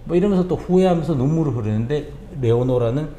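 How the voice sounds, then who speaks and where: A man retelling an opera's story in a lively way, acting out the characters' lines as he goes. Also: a little high, fast talker, a little hiss or hum. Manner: animated, acts out characters' lines in quotes. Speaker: music critic guest. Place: coffee bar. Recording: roomy echo.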